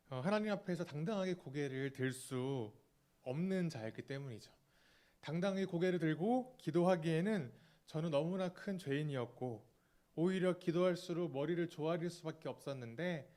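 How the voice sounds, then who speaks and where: A man in his thirties preaching a sermon as pastor, earnest and confessional, often trailing off softly, with small fillers and restarts. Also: medium pitch. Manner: fillers and self-corrections.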